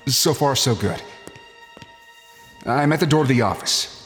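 An actor playing a wisecracking, cocky adventurer in an audio drama, glib and bantering. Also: male voice, mid-range voice, animated, measured pace, a bit bright. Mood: focused banter. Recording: music under the voice.

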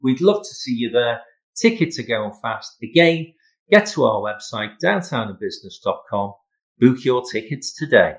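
A man's voice: mid-range voice, lively intonation, moderate pace, poor audio. A man speaking as a podcast host, presenting and promoting in an emphatic, salesman-like way. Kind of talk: podcast interview and promotional announcements.

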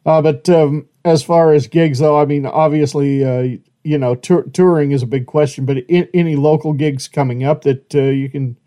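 A man hosting a casual interview, easygoing and filling pauses with lots of "uh". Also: fairly high pitch, steady tone, mellow. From Idaho, United States. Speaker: interviewer, show host.

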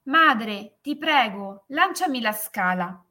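A woman voicing a young girl who longs to dance, pleading in a raised, bright voice. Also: mid-range voice, takes it slowly.

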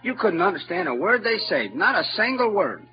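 A high-sitting, sing-song male voice, a little fast, brings to life Huck, the boastful and clever frontier boy with a rural Southern dialect. The actor lectures in a showy, bright, know-it-all style. The old-time radio drama recording is dull and lo-fi, with music.

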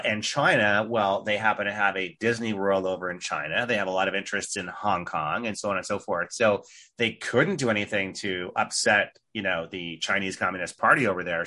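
A man hosting a casual political talk show, brash and emphatic, with quick interjections of agreement. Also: lowish voice, bright, forceful tone. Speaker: host.

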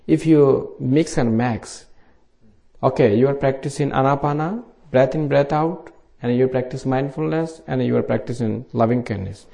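A middle-aged Buddhist monk from Bangladesh with a Bangladeshi accent, giving an informal dharma talk in simple English at a meditation retreat. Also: male voice, medium pitch, normal speed, gravelly, mellow.

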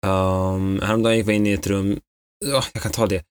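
Man, low-ish voice, casual co-host chat, animated storytelling, acts out quotes. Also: clean tone. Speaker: podcast co-host.

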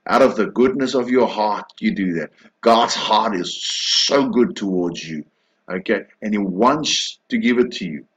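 A man preaching a sermon, emphatic, swinging between loud insistence and soft hushed tones. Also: on the low side, unhurried, rough recording.

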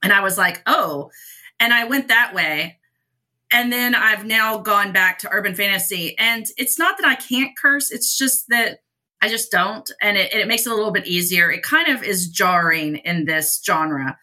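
Give me a talkative woman author as podcast guest, with a very bright, tense voice. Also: medium pitch, normal speed. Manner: chatty and self-deprecating. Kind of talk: casual podcast chat.

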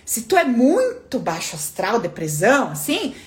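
A woman's voice: fairly high pitch, a little slow. A woman hosting a live stream, telling stories in a casual, motivational way and acting out the voices she quotes. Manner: animated storyteller, acts out quoted voices; informal and chatty, calls listeners "minha filha" and "menina".

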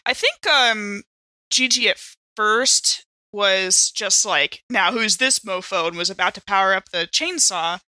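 A woman's voice: medium pitch, unhurried, sharp tone, no echo. A woman chatting casually as a player in a tabletop game.

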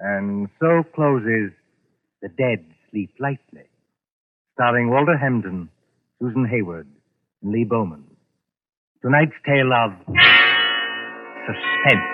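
A man narrating and announcing a 1940s radio mystery show in a measured, formal, ominous manner. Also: medium pitch, expressive. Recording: tinny 1940s radio recording. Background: music.

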